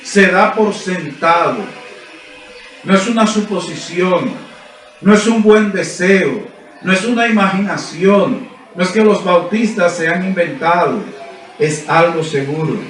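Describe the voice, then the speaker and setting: High-voiced preacher in a roomy church. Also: male voice, unhurried, fairly bright tone. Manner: emphatic, repetitive, rhetorical questions to the congregation. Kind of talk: sermon. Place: church service. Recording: roomy church sound from a distant mic.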